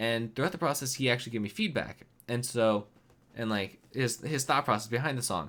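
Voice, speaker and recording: Soft-spoken, a man talks at a medium pitch on a very clean recording with a silent background. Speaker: music composer. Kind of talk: casual commentary. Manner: quiet, soft-spoken; hesitant, many fillers.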